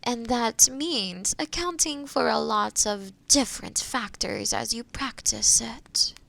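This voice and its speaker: A woman playing a kind, scholarly witch in an audio roleplay, explaining things precisely and with gentle reassurance. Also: a little high, slow, gravelly, heavily acted. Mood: earnest, explaining. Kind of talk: scripted audio roleplay, conversational.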